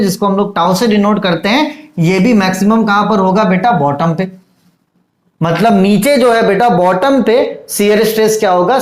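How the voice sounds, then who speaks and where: Intense male teacher with a fairly high voice, fatherly and loud, in an echoey room. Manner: loud, intense, fatherly, calls students "beta"; dictates definitions slowly word by word. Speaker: engineering teacher. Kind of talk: exam-prep lecture.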